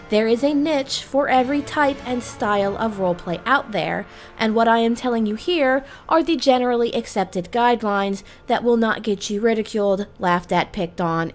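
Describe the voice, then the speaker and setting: A woman hosting an instructional guide, reading scripted narration in a measured, deliberate way with emphatic pauses. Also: mid-range voice, a little mellow. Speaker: host of a roleplay guide series.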